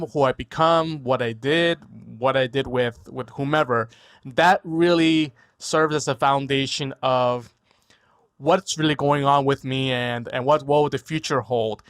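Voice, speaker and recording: This medium-pitched man in his forties is a guest physician from New York who grew up speaking Korean. He's on a video call from home, giving a casual interview in a thoughtful way, with repeated words and frequent tag questions of "right?"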